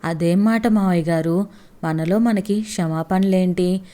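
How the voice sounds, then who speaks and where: Woman reading a gentle reassuring mother. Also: lowish voice, measured pace, close to an everyday voice. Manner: reassuring, courteous.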